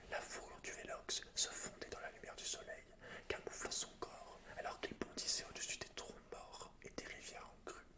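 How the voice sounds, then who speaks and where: A man reading game lore in a soft, hushed, breathy whisper, as the host of an ASMR gaming video. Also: normal speed.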